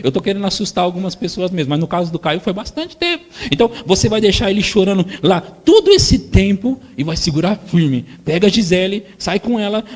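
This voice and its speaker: A man in his forties with a Brazilian accent, preaching a sermon as pastor and acting out parents and children in a husky voice. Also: high-pitched. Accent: Brazilian Portuguese. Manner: animated, acts out parents and crying children. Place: church hall. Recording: long church hall reverb.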